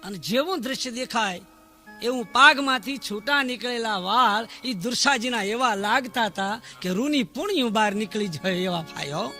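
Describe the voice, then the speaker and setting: A man's voice: extremely high pitch, moderate pace, pushed and bright, soft background music. A man telling a folk tale in dayro style, dramatic and declaiming, breaking into chanted verses. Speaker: folk storyteller.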